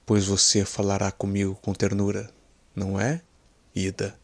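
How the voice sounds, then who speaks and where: A man's voice: on the low side, completely flat delivery, moderate pace, creaky, a little mellow. A man voicing a cynical, cruel professor and fraudulent medium in an audio horror story, commanding and coldly sinister. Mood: sinister, cajoling.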